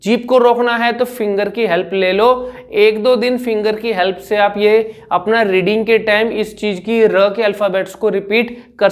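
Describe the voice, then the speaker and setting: High-voiced man teaching speech sounds. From India. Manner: demonstrates sounds by repeating syllables. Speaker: speech coach. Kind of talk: speech therapy lesson.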